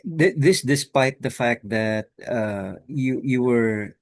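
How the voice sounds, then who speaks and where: A man hosting an interview. He talks in a measured, hesitant way and ends his questions with a tag. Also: mid-range voice, dry recording, clean studio sound. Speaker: talk show host.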